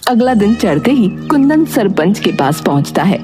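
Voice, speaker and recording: A woman's voice: medium pitch, big pitch swings, moderate pace. A woman reading scripted narration of a dramatic moral story. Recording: music under the voice. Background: music.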